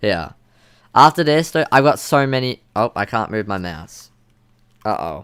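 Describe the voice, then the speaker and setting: Pausing long and often, a man at a medium pitch speaks at a fairly slow pace with very wide pitch swings, in a dry, close sound with no echo and a very clean recording with a silent background. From Australia. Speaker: gaming streamer. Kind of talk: live stream reaction commentary.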